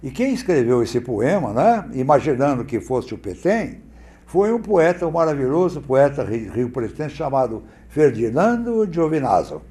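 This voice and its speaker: A man from Brazil, a guest on a TV talk show, demonstrating oratory in an expressive, theatrical way. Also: medium pitch, moderate pace, reverberant. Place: TV studio.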